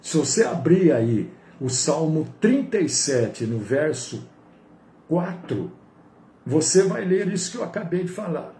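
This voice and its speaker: A man, a pastor, preaching a sermon in an animated way, swinging from high to low. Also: measured pace, roomy sound, a little hiss or hum.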